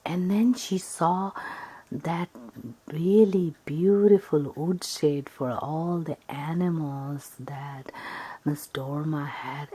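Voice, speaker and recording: A woman telling an improvised ASMR story in a breathy, often whispered voice, halting between short phrases. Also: low voice.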